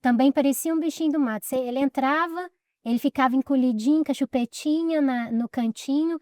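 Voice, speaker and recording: A woman tells a daycare anecdote on a podcast and slips in English terms. Her voice is mellow and sits a little high. The sound is dry and close. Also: a little fast, dry recording. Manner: recounting an anecdote, mixes in English words. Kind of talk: casual chat.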